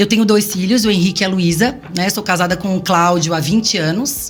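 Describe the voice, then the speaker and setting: Lively intonation rides over music in the background. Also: woman. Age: 40s. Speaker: physical educator and studio owner. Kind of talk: podcast interview.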